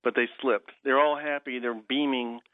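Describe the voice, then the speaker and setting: A man's voice: medium pitch, fairly even intonation, moderate pace, no room sound. A man calling in to a radio talk show over a landline phone, chatting casually and rambling. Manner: rambling, chuckling. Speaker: caller. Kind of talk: casual call-in chat. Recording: tinny phone line.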